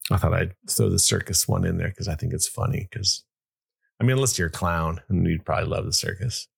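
A man's voice: low-pitched, fairly quick, gravelly, husky. A man hosting a podcast in casual chat, rambling with many restarts and fillers. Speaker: podcast host.

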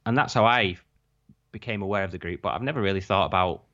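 A man's voice: sits low, quick pace, fairly bright tone. A man chatting casually as the co-host of a podcast. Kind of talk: casual chat. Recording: dull, lo-fi sound.

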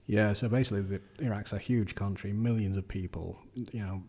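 A man's voice: fairly low pitch, fairly even intonation, a little fast, darkish tone, breathy edge. A man in his forties from Sheffield, a guest author giving plain, matter-of-fact answers in an interview. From Sheffield, England. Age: 40s.

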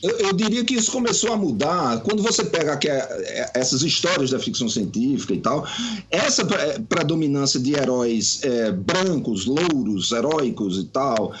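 Man with a lively, swooping voice. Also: mid-range voice, music in the background. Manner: measured, explanatory, lecturing. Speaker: guest writer. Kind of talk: podcast conversation.

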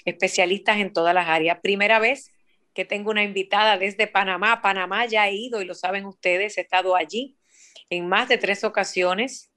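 A woman's voice: medium pitch, steady tone, moderate pace. Dominican lady radio host, emphatic, repeats stuff for the listeners, mid voice. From Dominican Republic. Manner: warm, emphatic, repeats key words for listeners. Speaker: radio host and family therapist. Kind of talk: radio talk show interview.

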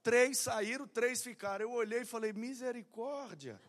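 High-voiced pastor telling a story. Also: male voice, moderate pace. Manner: animated, acts out dialogue in quotes. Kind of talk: sermon storytelling.

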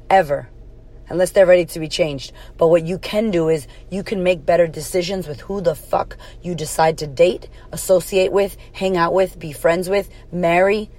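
Hoarse from karaoke, a podcast host and confidence coach delivers a casual, punchy pep-talk monologue in a husky, slightly low, somewhat mellow voice. She's blunt and motivational, swearing freely as she pushes listeners to know their worth.

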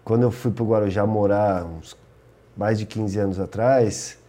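Paulistano guest, warm dark tone, measured relaxed talk. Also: male voice, lowish voice. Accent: São Paulo Brazilian Portuguese. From Brazil. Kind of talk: casual conversation.

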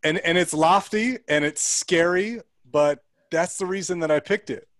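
A man working as a high-performance coach, chatting casually and telling stories in an upbeat, energetic way. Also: normal speed, noisy background. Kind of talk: casual podcast chat.

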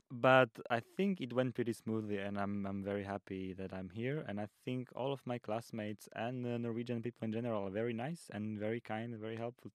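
A man's voice: on the low side, clean tone, no room sound, clean studio sound. A nineteen-year-old man from Slovakia, a student guest on a podcast, talking earnestly with hesitant fillers. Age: teens. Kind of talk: casual podcast interview.

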